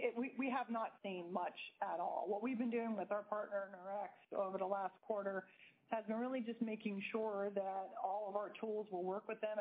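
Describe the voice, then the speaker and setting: A woman speaking as a company executive, answering questions on a business conference call over the phone. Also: mid-range voice. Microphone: telephone conference call. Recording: tinny phone line.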